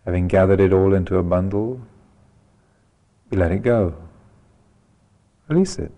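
Speaking low, a man leads a meditation session at a slow, calm, gentle pace. Long pauses separate his phrases.

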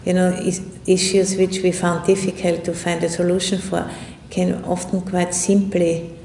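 Low, mellow woman guiding meditation, gravelly edge. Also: flat delivery. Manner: unhurried and reflective, with long pauses. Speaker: Buddhist nun and meditation teacher. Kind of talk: guided meditation talk. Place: indoor room at a retreat center. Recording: roomy echo, faint rumbling background noise.

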